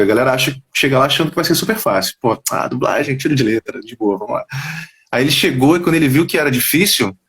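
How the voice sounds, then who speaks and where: A quick-talking man tells stories from his work as a voice actor. His pitch sits in the middle, and he rattles along, slipping into little quoted voices. He is heard over a video call. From Brazil. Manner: quick, animated storyteller, drops into quoted voices. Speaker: voice actor guest. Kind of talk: casual interview chat. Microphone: headphones on a video call.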